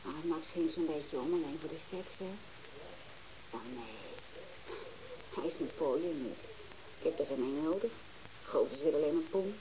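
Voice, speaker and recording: A woman's voice: sits low, normal speed, pauses often, a crowd in the background, close to an everyday voice, rough recording. A woman acting a brazen, nonchalant teenage streetwalker in a radio drama, casual and defiant.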